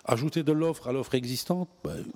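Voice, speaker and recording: A man talks about his gallery in a mellow, darker voice. He speaks with passion and emphasis and stumbles over repeated words as he hunts for the next thought. The feel is a relaxed, casual interview. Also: mid-range voice, brisk. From Belgium. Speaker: gallery owner. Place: art gallery.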